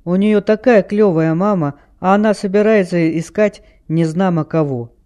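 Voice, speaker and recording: A man's voice: high-pitched, moderate pace, mellow, clear, resonant tone, natural voice. Man doing a scoffing, impatient boy. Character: rude, impatient boy cousin.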